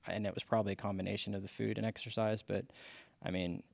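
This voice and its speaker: Forties male guest, gravelly low voice, halting storyteller, dry close recording. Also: flat delivery, no echo. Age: 40s. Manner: halting, many restarts and fillers. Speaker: podcast guest. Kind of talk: casual interview chat.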